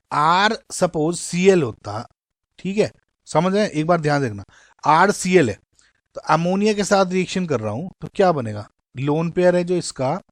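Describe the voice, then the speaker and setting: A man's voice: on the high side, dry recording. Indian man teaching chemistry, close and dry. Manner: conversational, mixes English terms, addresses "guys". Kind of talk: explaining exam questions.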